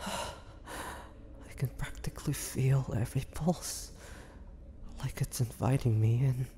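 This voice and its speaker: A man voicing a starving, tormented vampire in a dramatic audio roleplay, speaking haltingly with breathy sighs. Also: mid-range voice, dark tone. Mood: pleading, tempted. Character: starving young male vampire, tormented, pleading, fighting bloodthirst. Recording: long echoing reverb, faint background noise.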